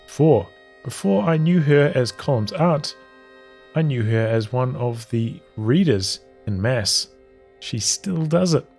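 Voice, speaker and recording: A man with a mid-pitched voice reads a story aloud at a slow pace. His phrasing is measured and halting, with pauses between short phrases. Faint music plays behind him. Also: expressive, gravelly, darkish tone, breathy edge. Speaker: streamer reading a visual novel aloud. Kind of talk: read-aloud storytelling of journal entries.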